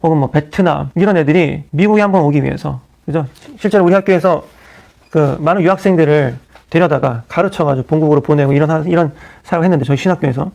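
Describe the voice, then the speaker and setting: A middle-aged pastor from South Korea preaching in an animated, conversational way, full of asides and acted-out quotes. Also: male voice, fairly high pitch, fast talker, vocal fry. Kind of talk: sermon.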